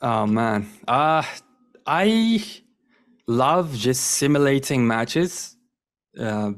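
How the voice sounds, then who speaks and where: A man's voice: mid-range voice, animated, extremely slow, clean tone. A young man whose first language is Turkish, a guest chatting casually in an interview, enthusiastic and rambling with lots of fillers. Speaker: guest, wrestling content creator.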